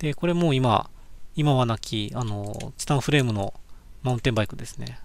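Here a man talks in a calm tone at medium pitch. His pace is fairly quick, with ordinary pitch variation. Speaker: cycling travel streamer. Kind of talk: casual live-stream slideshow commentary. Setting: live stream from desk, recorded. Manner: sleepy-sounding, calm.

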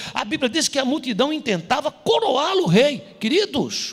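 A man's voice at a fairly slow pace, with very wide pitch swings. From Northeast Brazil, João Pessoa; Northeast Brazil. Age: 60s. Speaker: pastor. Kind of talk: sermon. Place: church. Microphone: handheld.

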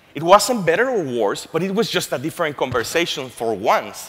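A man with a Spanish accent talks at a fairly quick pace. His pitch swings very widely. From Monterrey, Mexico. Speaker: entrepreneur and university lecturer. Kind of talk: conference talk. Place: stage. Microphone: headset.

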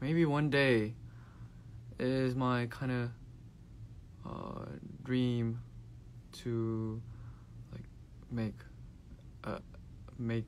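Over light background noise, a man with a Korean accent speaks very slowly with fairly even intonation and long, frequent pauses. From South Korea. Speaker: K-pop idol. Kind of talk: casual fan livestream chat. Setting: Instagram live stream. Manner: friendly, playful. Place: home room. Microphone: phone near.

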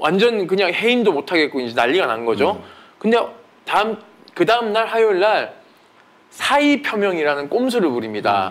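This man speaks in a high pitch at a moderate pace, with very wide pitch swings and big shifts in loudness. He leaves long, frequent pauses. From South Korea. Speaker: military human rights activist; talk show guest. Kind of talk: interview. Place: studio. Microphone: lapel.

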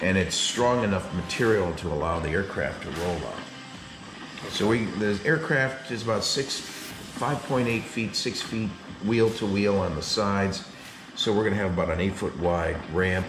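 With music in the background, a man speaks at a fairly low pitch and ordinary pitch variation. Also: moderate pace. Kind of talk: interview answer. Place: kitchen. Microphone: camera far.

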